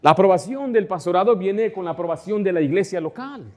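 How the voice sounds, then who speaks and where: In church, a middle-aged male pastor preaches a sermon, posing rhetorical questions to the congregation and acting out quoted conversations. His voice sits high and sounds mellow, with lively intonation and a fast pace.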